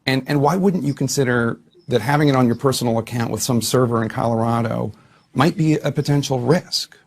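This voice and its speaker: A man's voice: medium pitch, fairly quick, creaky. A man interviewing formally in a broadcast style, asking long, probing, layered questions.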